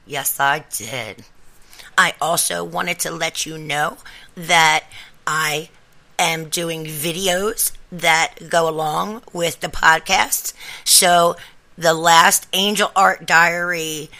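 A woman's voice: low voice, fairly even intonation, takes it slowly, sharp tone. A woman hosting a podcast, talking casually and directly to her listeners in an encouraging, instructive way. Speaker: podcast host.

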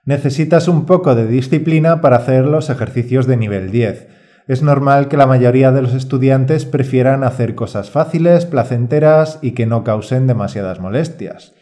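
In a scripted delivery, a man who teaches and co-hosts a podcast presents a Spanish course. He comes across calm and reassuring, at medium pitch and moderate speed.

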